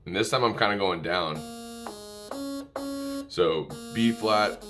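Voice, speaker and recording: A man giving an informal music lesson, calling out notes in a halting, easygoing way and correcting himself as he goes. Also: deep voice. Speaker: music tutorial instructor. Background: musical instrument playing between and under phrases.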